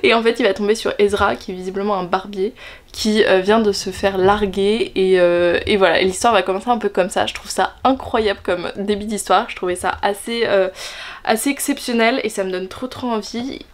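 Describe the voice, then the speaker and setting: A woman's voice: mid-range voice, fairly even intonation, a little fast. Shy, hesitant young woman vlogger. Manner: hesitant, many fillers, shy and enthusiastic. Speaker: book vlogger. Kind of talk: casual book haul chat. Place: bedroom in front of a bookshelf, indoors.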